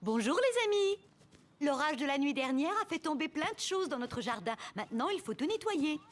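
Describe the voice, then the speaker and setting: A woman's voice: high-pitched, sing-song, moderate pace, slight background noise. A woman voicing a friendly, encouraging daycare teacher in a children's cartoon. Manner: encouraging, addressing small children. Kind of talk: French children's cartoon dubbing.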